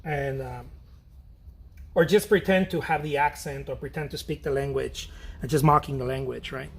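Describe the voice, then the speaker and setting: A man's voice: mid-range voice, fairly even intonation, normal speed, gravelly, slightly rough. A man chatting casually while he paints on a livestream, rambling, repeating his phrases and swearing now and then. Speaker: painter streaming a demo.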